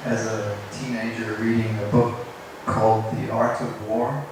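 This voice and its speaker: A middle-aged man from South Africa speaks slowly and haltingly, telling an informal story about himself. He is self-deprecating and picks his way through each phrase. The recording is very echoey and distant, with clear background noise. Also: on the low side, little pitch movement. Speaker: English teacher. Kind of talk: informal personal story to a group. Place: indoor room at a teachers' workshop. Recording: echoey room, distant mic, noisy.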